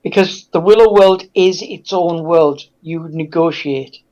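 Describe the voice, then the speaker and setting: A man speaking in a halting, reflective way as a guest in a casual discussion. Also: fairly high pitch, darkish tone, muffled recording.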